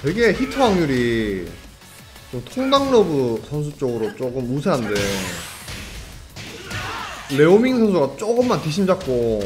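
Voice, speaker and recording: A young man calls a fighting game match live, his pitch leaping around as he reacts to each hit and chats with the viewers. His voice sits a little high for a man, and faint game music plays behind him. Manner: excitable, chatty, jokes with viewers, quick reactions. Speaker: esports commentator.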